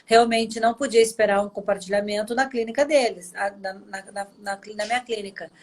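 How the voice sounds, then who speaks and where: A woman's voice: mid-range voice, steady tone, brisk. A Brazilian woman in her forties hosting a live video chat, telling personal stories with emotion. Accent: Brazilian Portuguese. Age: 40s. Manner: emotional storytelling, warm and chatty. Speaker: host. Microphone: video call.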